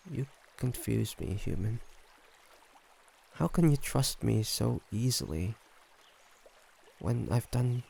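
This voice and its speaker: A man voicing a brooding, gentle ancient vampire in an intimate audio roleplay, speaking haltingly and pensively. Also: medium pitch, lively intonation, gravelly, slight background noise, exaggerated voice. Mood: incredulous. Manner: halting, soft-spoken, pensive with sighs.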